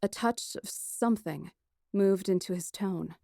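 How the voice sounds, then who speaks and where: A woman narrating a first-person fantasy audiobook in an expressive, dramatic and deliberate storytelling style. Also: medium pitch, gravelly, dry recording, clean studio sound.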